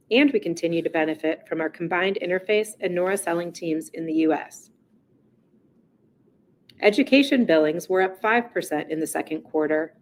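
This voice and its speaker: A female chief executive reads a scripted earnings presentation in a formal, measured corporate style, her voice on the low side.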